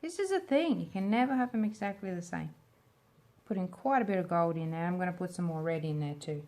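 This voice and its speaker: Casting: female craft-tutorial host, lowish pitch, lightly raspy smoker's tone, casual think-aloud delivery. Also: quick pace, a little mellow. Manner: informal, thinking aloud as she works. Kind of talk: casual hands-on demo chat.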